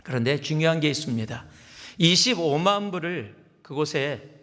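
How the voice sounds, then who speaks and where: A man's voice: on the high side, expressive, normal speed, fairly bright tone. A male pastor preaching a sermon, telling stories and acting out the people he quotes. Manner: storytelling preaching that acts out quoted speakers. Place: church sanctuary. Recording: long reverb of a large church hall.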